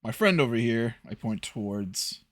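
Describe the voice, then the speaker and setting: A man's voice: mid-range voice, expressive, moderate pace, dry recording. A male player in a tabletop session, eager and full of questions, tripping over his own words. His voice sits mid-range and is recorded dry and close. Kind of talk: casual tabletop role-play over voice chat.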